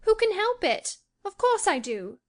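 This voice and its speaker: A woman's voice: very high voice, big pitch swings, a little slow, voice pushed up, full character voice. A woman voicing a peevish, anxious young lady in an audiobook, impulsive and emphatic in her pleading. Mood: defiant, insistent. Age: young adult. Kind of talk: audiobook character acting.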